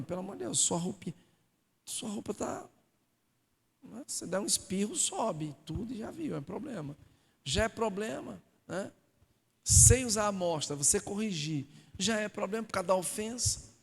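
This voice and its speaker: Pastor, man, high voice with gravel, lively joking sermon delivery, church hall with long reverb. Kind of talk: sermon teaching.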